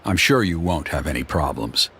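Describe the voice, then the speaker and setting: A silver-tongued tribal elder. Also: male voice, very deep voice, normal speed, slight background noise, full character voice. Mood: smooth. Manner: suave, flattering, persuasive. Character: smooth-talking, scheming male tribal elder. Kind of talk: game voice acting. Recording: game music behind.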